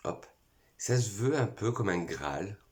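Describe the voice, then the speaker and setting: A French man presenting perfume bottles in a casual vlog, a little hoarse from a cold, eagerly listing scent notes one by one. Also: fairly low pitch, animated, measured pace. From France. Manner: enthusiastic, lists notes one by one. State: has a cold, voice cracking. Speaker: perfume YouTuber.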